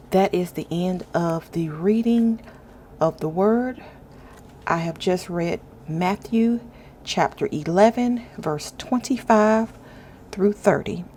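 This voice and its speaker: A woman hosting a faith vlog and reading aloud in a measured, deliberate way. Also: on the low side, darkish tone, slight background noise. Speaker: faith journaling channel host. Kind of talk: vlog narration and scripture read-aloud.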